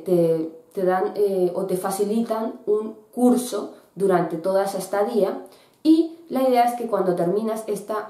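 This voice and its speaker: A woman in her thirties talks to camera in a bright room by a window, pausing often with fillers and restarting her sentences. Her voice is soft and mellow, and the room gives it a noticeable echo. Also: mid-range voice. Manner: hesitant, many fillers and restarts. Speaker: student vlogger. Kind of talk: casual explanatory vlog.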